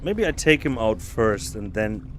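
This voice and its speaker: Slow, musing male game streamer. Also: on the low side, big pitch swings, faint music behind. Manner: musing to himself, chatting with viewers, stumbling restarts. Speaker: podcast host streaming a game. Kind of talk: casual live gameplay commentary.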